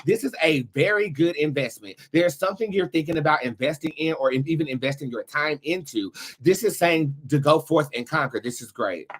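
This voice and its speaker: A man's voice: a little high, a little fast, few pauses, slightly rough. A man giving casual live-streamed tarot readings as the host, talking in an emphatic, slangy and encouraging way.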